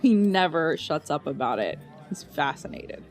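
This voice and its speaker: An actress playing a plain-spoken, teasing police detective in an audio drama, easygoing in manner. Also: female voice, low voice, sing-song, normal speed, a little mellow, soft background music.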